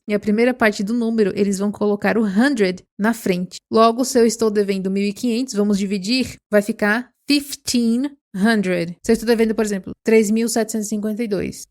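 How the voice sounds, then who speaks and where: Woman, Brazilian accent, English teacher, patient step-by-step explaining, medium pitch. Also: darkish tone. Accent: Brazilian Portuguese. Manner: patient, slows down to spell out examples.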